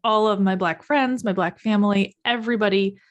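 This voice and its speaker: A woman hosts an interview podcast in an upbeat, encouraging way. Her voice sits in a middle pitch, and she keeps the talk moving with quick affirmations. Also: lo-fi sound. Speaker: podcast host.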